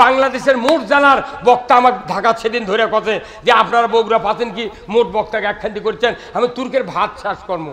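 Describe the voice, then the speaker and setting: A man with an extremely high pitch speaks in an animated tone over noticeable background noise. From Bangladesh, Bogura. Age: 60s. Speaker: Islamic preacher. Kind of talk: sermon.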